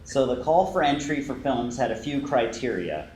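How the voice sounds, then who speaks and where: A man's voice: mid-range voice, animated, moderate pace, a little mellow. A man from the Bay Area co-presenting a talk, explaining steadily and plainly. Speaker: co-presenter, video producer. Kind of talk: prepared presentation. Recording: echoey room, faint noise.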